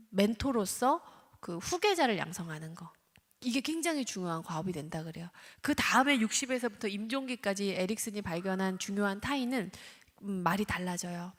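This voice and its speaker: Engaging woman lecturing in a church hall. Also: medium pitch. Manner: engaging, asks the audience questions, acts out examples. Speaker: lecturer and counselor. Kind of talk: lecture at a weekday church service. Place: church sanctuary.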